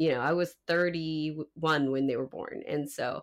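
A woman speaks in a plain, everyday voice at a fairly low pitch and a moderate pace, with ordinary pitch variation. The recording is very clean, with a silent background. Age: 40s. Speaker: podcast co-host. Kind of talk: casual chat.

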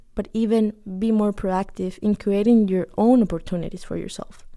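A woman with a Colombian accent and a dark, mellow tone speaks fairly slowly in a monotone, flat intonation on a very clean recording with a silent background. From Colombia, Caribbean coast (Barranquilla). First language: Spanish. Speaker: student filmmaker, film club president. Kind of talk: casual interview. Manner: laughs often.

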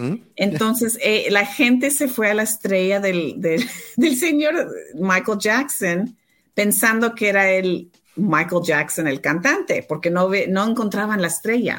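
A woman in an English accent speaks at a fairly slow pace and medium pitch, her intonation lively and her loudness very even. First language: English (speaking Spanish). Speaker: events producer. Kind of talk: interview. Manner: halting.

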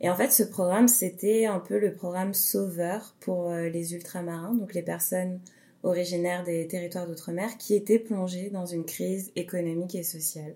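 A woman's fairly low, dark, mellow voice at a moderate pace, with fairly even intonation. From metropolitan France, Martinican parents. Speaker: podcast co-host. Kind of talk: scripted podcast narration and dialogue.

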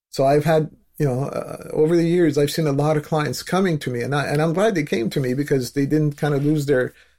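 Over a silent background on a very clean recording, a man with a fairly high pitch and a dark, mellow, somewhat breathy tone talks at a very fast pace with fairly even intonation. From Canada. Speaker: clinical hypnotherapist. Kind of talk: interview. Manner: halting.

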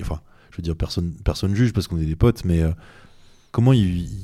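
Very deep and low, the man's voice has a dark, mellow tone, ordinary pitch variation and a fairly quick pace. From French provinces. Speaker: podcast host. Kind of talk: casual interview. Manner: halting.

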